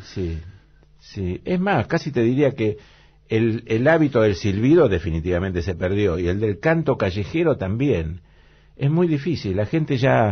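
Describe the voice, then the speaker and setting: A man's fairly low, somewhat breathy voice with very wide pitch swings at a fairly slow pace. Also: quiet background. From Argentina, Buenos Aires area; Argentina. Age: 70s. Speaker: saxophonist; guest. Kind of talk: radio interview. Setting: radio studio. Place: studio. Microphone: studio mic.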